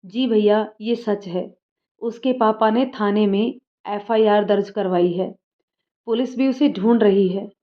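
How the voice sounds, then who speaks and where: A woman voicing an anxious young village girl, hurried and urgent, on slightly dull audio. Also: mid-range voice, lightly acted.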